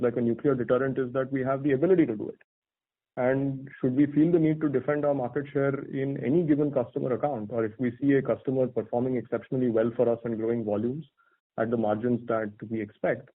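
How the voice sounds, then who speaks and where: Over a narrow, tinny conference phone line, a man in a senior corporate role answers analysts' questions. He speaks at a middling pitch in a measured, articulate, businesslike way, setting out his reasoning as on an earnings call. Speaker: company executive answering analysts.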